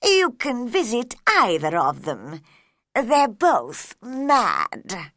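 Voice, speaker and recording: A calm, teasing storybook cat that grins through every riddle, voiced by a woman reader. It drags each word out at a very slow, knowing pace, and its tone is bright and clear. The sound is dry and close. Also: fairly high pitch, dry recording, exaggerated voice. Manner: slow, drawn-out, knowing delivery.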